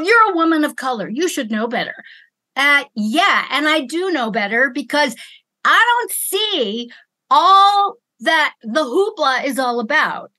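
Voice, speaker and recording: A woman's voice: high voice, bright, forceful tone. A woman hosting an interview podcast in a theatrical, emphatic manner, repeating phrases for effect. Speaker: podcast host. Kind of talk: interview with a showy introduction.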